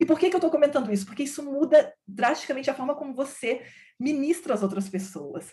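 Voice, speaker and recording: A woman talks at a very fast pace and a high pitch. Her intonation is lively and her loudness swings widely. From Brazil, Rio de Janeiro. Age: 30s. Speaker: missionary. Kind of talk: casual chat.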